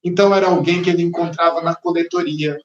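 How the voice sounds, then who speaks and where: A male pastor preaching with lively, expressive delivery, his voice sitting high for a man. He drops into quieter tones and briefly acts out the people in his story. The sound is echoey, as in a reverberant room. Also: quick pace, lo-fi sound. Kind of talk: sermon.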